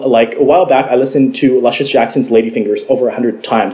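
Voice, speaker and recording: A man's very fast talking against noticeable background noise. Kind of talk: casual talk to camera. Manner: lively, upbeat.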